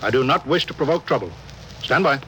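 A man's voice: medium pitch, animated, a little fast, noisy background, lightly acted. An actor playing a stern, cautious male starship captain in a 1950s radio drama, giving clipped commanding orders.

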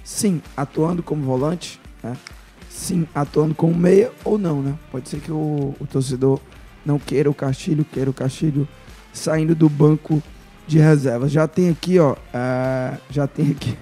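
Hoarse, smoker-raspy Northeastern Brazilian male host. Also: a little high, normal speed, dark tone, soft background music. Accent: Northeastern Brazilian, Ceará. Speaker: sports podcast host. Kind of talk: casual live sports chat.

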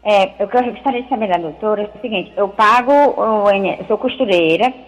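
A woman's voice: mid-range voice, brisk. A woman in her fifties calling in to a radio show over the phone, asking her question earnestly and repeating herself. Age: 50s. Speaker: caller. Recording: thin phone line.

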